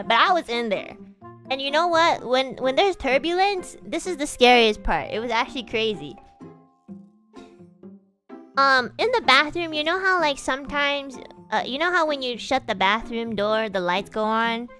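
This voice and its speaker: A young woman streamer telling a story in casual chat, animated and swearing, loudly acting out her past self. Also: fairly high pitch.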